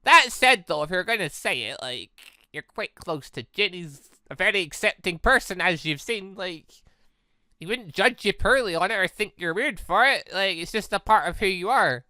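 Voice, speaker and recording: A gaming host reading visual novel dialogue aloud with commentary, animated and given to acting out characters. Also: mid-range voice, moderate pace, dry recording.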